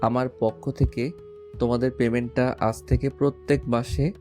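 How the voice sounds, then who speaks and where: A curt, commanding gang leader, voiced by a man in a story audio drama. His voice is dark and mellow. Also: mid-range voice, level tone, moderate pace, soft background music, close to an everyday voice.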